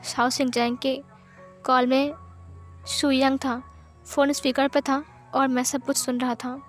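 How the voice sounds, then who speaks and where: A woman's voice: high voice, flat delivery, a little slow, soft background music. A woman voicing a caring, protective young man who coaxes and soothes, in a storybook reading. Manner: soothing, coaxing questions.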